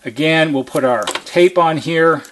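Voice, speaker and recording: A man's voice: fairly high pitch, a little slow, a bit bright, a little hiss or hum. A man giving a hands-on how-to demonstration as a repair technician, methodical and step-by-step, stressing key points.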